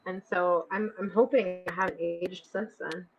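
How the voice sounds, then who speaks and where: A woman's voice: lowish voice, fairly even intonation, normal speed, gravelly, dull audio, soft background music. A woman in her twenties hosting a casual live chat, giggling often and reading out viewer comments. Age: 20s. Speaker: host of a live stream.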